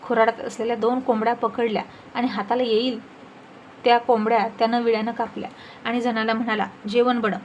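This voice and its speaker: A woman's voice: a little high, flat delivery, a little fast, muffled recording, slight background noise. A woman narrating a serialized moral story in a dramatic, emotional way.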